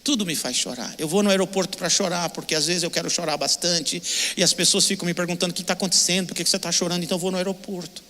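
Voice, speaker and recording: Older male pastor, Brazilian accent, high bright voice, long hall reverb, emphatic sermon. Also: steady tone, racing. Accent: Brazilian Portuguese. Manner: emotional, emphatic, repeats short phrases.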